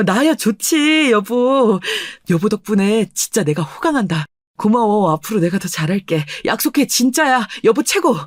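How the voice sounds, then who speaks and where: A humble, sweet-natured young husband , acted out by a performer, speaks eagerly and earnestly in a storybook radio drama. The voice sits at a middle pitch and is recorded close and dry. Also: sing-song, moderate pace, hardly any pauses, dry recording.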